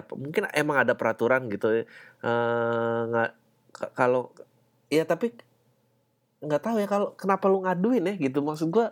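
Rambling slangy man. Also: medium pitch. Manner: rambling, slangy and profane, with frequent laughs and fillers. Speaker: podcast host. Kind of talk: casual solo podcast monologue.

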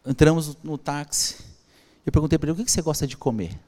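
A man with a Brazilian Portuguese accent telling a personal story as a podcast guest, acting out the dialogue in an animated way. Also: a little high, fast. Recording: long hall reverb.

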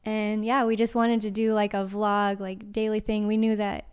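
A woman's voice: mid-range voice, level tone, normal speed, darkish tone, smooth. A woman chatting casually and playfully as a podcast host, her S sounds whistling from a speech impediment. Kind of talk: casual chat.

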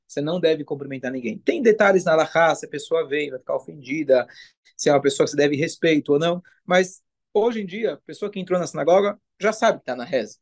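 Rabbi teaching in relaxed, chatty tones. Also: male voice, a little high, quick pace. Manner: relaxed, conversational teaching with asides and humor. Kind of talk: casual religious lesson.

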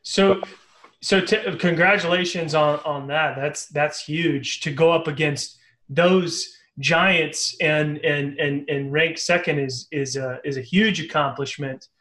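A man hosts a business interview show in an upbeat, casual way. His voice sits a bit high, and he often repeats words and says "um" as he frames his questions. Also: steady tone, slow pace, a bit bright. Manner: upbeat, many fillers and repeats. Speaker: podcast host.

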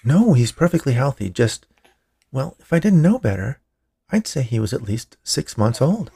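A man voicing a puzzled, blunt family doctor in an audiobook, explaining in a measured, emphatic way. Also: medium pitch, sing-song, vocal fry, warm tone, pitched above the performer's own voice. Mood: matter-of-fact. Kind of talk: audiobook character dialogue.

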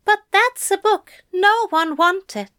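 A woman's voice: very high voice, slow, pushed and bright, voice pushed up, full character voice. A woman voicing an anxious, earnest male angel who pours out fretful confessions in a raised voice.

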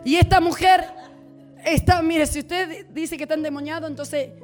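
A woman preacher telling a deliverance story in an animated sermon, shouting at high points. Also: moderate pace, faint music behind.

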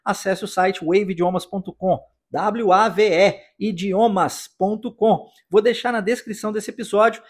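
A Brazilian man teaching an English lesson, upbeat, slowly drilling phrases for his listeners to repeat. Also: sits high, fairly even intonation, slightly rough. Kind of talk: English lesson for Portuguese speakers.

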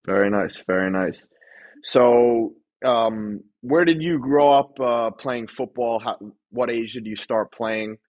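This podcast host has a medium-pitched voice and speaks slowly, asking rambling interview questions full of fillers and restarts. The sound quality is lo-fi.

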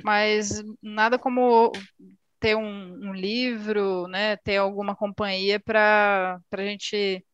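A woman's voice: mid-range voice, flat delivery, takes it slowly, clean tone, no room sound, highs cut off. A woman co-hosting a casual podcast chat, thoughtfully recommending a book set with frequent restarts. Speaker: podcast co-host.

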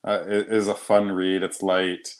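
Amused male podcast guest, slightly low voice. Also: measured pace. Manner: relaxed, amused, laughs often. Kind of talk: casual chat.

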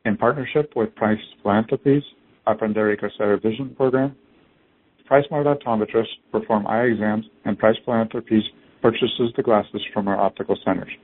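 A man's voice: fairly low pitch, fairly even intonation, a little fast. A man reading a scripted business presentation as a company executive on an earnings conference call. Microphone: conference call phone line. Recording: narrow tinny phone-line audio.

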